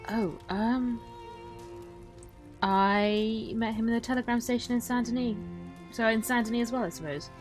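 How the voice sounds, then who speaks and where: A woman playing a wry, self-possessed western traveler, recounting tales casually with dry understatement and deliberate, hesitant phrasing. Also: on the high side, soft background music, lightly acted. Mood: wry recollection. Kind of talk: casual in-character campfire storytelling.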